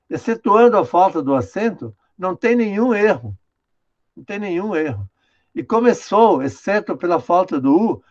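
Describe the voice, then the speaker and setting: An older man from Brazil, a linguistics professor giving an online lecture, patiently explaining a student's writing and tagging sentences with "né?". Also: high voice. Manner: patient, explanatory, many "né?" tags, directs the screen operator. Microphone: video call. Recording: dull lo-fi video call audio.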